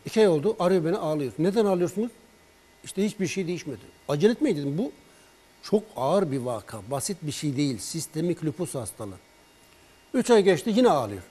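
This herbal remedy expert's voice is a little high for a man, though dark and mellow, with a breathy edge and a quick pace. He tells health stories on air, lively and dramatic, voicing both himself and the patient in their conversations.

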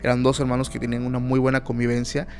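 Mexican man, podcast guest, mid-pitched, emphatic storyteller with lots of filler words, faint hiss behind. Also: racing. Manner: emphatic, animated retelling with many fillers. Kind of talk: casual storytelling.

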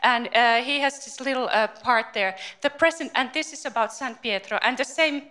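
A woman in her forties with a Finnish accent, giving a lecture into a handheld mic in a small room, pausing often with fillers and restarts. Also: fairly high pitch, sharp tone. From Finland. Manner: hesitant, many fillers and restarts. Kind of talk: informal university-style lecture. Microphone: handheld microphone.

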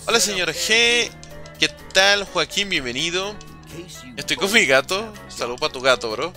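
A young man streaming a game, chatting casually with viewers and calling out their names in an excitable, slangy way. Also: high-pitched, a little slow, soft background music. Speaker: gaming livestreamer. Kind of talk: casual livestream chat while playing, reading chat aloud.

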